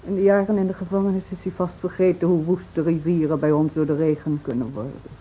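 An actress playing a grieving, reproachful village woman in a Dutch radio drama, speaking with halting solemnity. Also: on the low side, fairly even intonation, breathy edge. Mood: grieving, accusing. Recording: dull, faintly noisy old radio recording.

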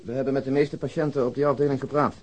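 A man playing a calm, practical and considerate police detective in a crime radio drama, plain-spoken and factual. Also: mid-range voice, very fast, lightly acted, rough recording.

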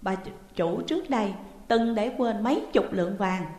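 A woman's voice: mid-range voice, moderate pace, close to an everyday voice. A blunt, spirited housemaid, voiced by a woman storyteller, answering back sharply and without fear. Her voice carries a roomy echo and a long reverb. It is an audio storybook. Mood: defiant. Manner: defiant, sharp-tongued.

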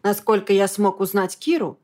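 A composed, steady man who speaks evenly and without hurry, keeping everyone calm, as a female audiobook reader voices him. His tone stays level throughout. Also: medium pitch, natural voice. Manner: even, unhurried, composed. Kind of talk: audiobook character voice.

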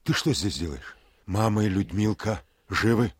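An actor playing a protective, gruffly tender soldier father in a wartime radio drama. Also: fairly low pitch, animated, normal speed, no room sound. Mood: tender, urgent.

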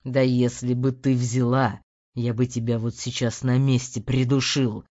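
A woman voicing an angry, hungover burly husband with a hoarse, growling voice. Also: rumbling low, level tone, a little slow, dull audio, voice pushed down. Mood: furious. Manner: shouting furious threats.

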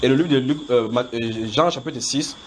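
A man with a Cameroonian accent teaching the Bible in an informal question-and-answer style, brisk and directive, often repeating himself. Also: mid-range voice. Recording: clearly noisy amateur recording.

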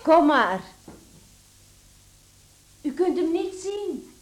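An actress playing a dutiful, protective young daughter in a radio play, speaking politely and carefully, coaxing. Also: female voice, extremely high pitch, big pitch swings, very slow, roomy sound, full character voice.

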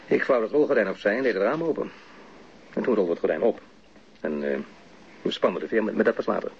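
An actor playing a plain-spoken, unsure policeman giving testimony in a radio drama, hesitant and matter-of-fact, with a husky, raspy voice. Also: fairly low pitch, expressive, fast talker, slight background noise. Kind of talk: naturalistic radio drama dialogue. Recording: muffled radio drama recording.

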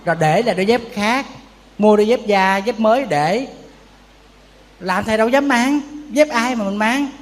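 A man's voice: high voice, long reverb tail. A man giving a Buddhist sermon as a monk, telling stories in a chatty way and asking his listeners rhetorical questions. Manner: chatty storytelling, asks the audience rhetorical questions.

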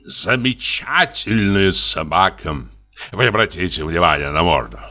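A man's voice: unhurried, heavily acted. A man reading a story aloud, voicing a boastful middle-aged army lieutenant who wheedles and blusters as he pushes a sale. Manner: wheedling, blustering, swinging high and excited.

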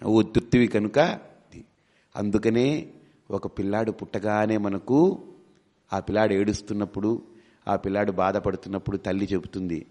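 A man's voice: on the low side, fairly even intonation, normal speed, pauses often, mellow. A man giving a spiritual discourse, telling stories animatedly, acting out family members and asking rhetorical questions that he answers himself. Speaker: spiritual teacher.

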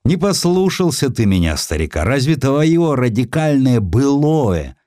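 A man voicing a wry, fatherly elderly editor and retired general in an audio drama, speaking in an avuncular, deliberate way. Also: mid-range voice, very animated, dark tone, no room sound, clean studio sound, pitched above the performer's own voice. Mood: regretful, chiding. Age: older.

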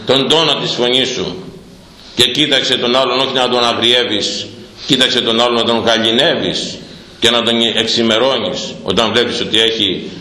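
A man preaching a sermon on Proverbs, impassioned, firing rhetorical questions and rising to shouts. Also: medium pitch, reverberant, low-quality recording.

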